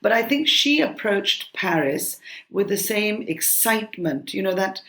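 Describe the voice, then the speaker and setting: A woman in her sixties with a gravelly, fry-edged voice, raised in Britain, talking over a remote call from home. She answers in a loose, hesitant way, full of ums and false starts, like a cookbook author chatting about her life. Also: medium pitch, animated, measured pace, fairly bright tone, a little hiss or hum. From United Kingdom. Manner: hesitant, many ums and restarts. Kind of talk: relaxed conversational interview.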